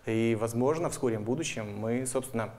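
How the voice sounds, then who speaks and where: A man in his thirties with a medium-pitched voice, speaking as an interview guest. He explains plans haltingly, pausing mid-phrase to find his words, in a studio setting. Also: a little mellow. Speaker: guest, animation studio representative. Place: indoor TV studio. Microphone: lapel mic.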